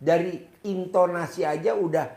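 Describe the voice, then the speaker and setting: Man, spiritual advisor, somewhat high voice, acting out prayers, echoey room. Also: fairly even intonation, normal speed, creaky, a little mellow. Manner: speaks directly to a woman, acting out sample prayers. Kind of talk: casual counseling talk.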